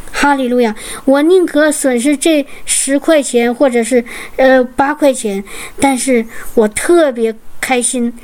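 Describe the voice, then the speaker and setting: A woman telling a lively Christian testimony to fellow believers, acting out the dialogue and exclaiming praise. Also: a little high. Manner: animated storytelling, acts out dialogue, exclaims hallelujah. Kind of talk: spoken testimony to a congregation.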